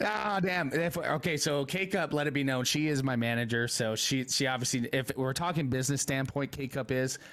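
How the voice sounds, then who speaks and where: A man with an American accent and a plain, everyday voice, medium pitch and ordinary pitch variation, moderate pace, hardly any pauses, very even loudness. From Texas, El Paso. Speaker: streamer, Marine veteran. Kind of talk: casual chat.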